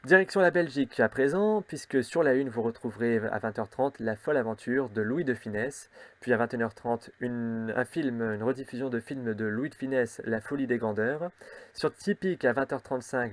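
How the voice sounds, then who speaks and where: A man hosting a show, briskly reading out the evening TV schedule with casual asides and the odd filler. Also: mid-range voice, no room sound. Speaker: host.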